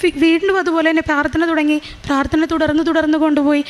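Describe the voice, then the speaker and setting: A young woman giving a religious testimony, halting, with many fillers and restarts. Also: high voice, little pitch movement. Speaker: testimony speaker. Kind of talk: religious testimony, personal account.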